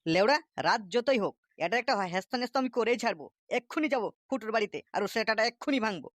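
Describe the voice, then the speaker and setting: Guy doing a jealous cartoon husband from bengal, west bengal accent, really high voice, talks fast, blustery and crude. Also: expressive, fairly bright tone, dry recording, studio quality. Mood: shocked, angry. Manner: blustering, coarse, threatening. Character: hot-headed, jealous, foul-mouthed village husband. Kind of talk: comic cartoon voice acting.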